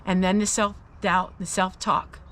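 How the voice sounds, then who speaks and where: A woman's voice: mid-range voice, level tone, measured pace, fairly bright tone. A woman sharing a personal Christian testimony, speaking in an earnest, confiding and emphatic way as she encourages listeners. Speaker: host of a faith-based personal vlog.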